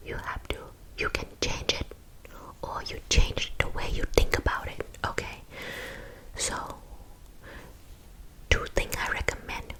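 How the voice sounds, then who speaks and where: A woman performs a female counselor in a whispered role-play. The voice is a steady, breathy whisper with an East Asian accent. She gives blunt, encouraging advice and keeps checking that the listener follows. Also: unhurried, pauses often, natural voice, rough recording. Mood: firm, encouraging.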